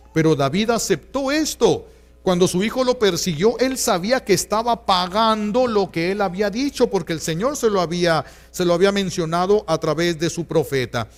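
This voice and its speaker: A high-voiced male Catholic priest with a Mexican Spanish accent delivers a sermon. His tone is earnest and pastoral, and he repeats key phrases for emphasis.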